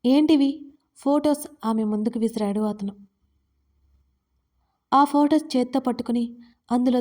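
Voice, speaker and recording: Warm-voiced woman storyteller. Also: on the high side. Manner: calm, steady reading. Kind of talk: scripted story narration.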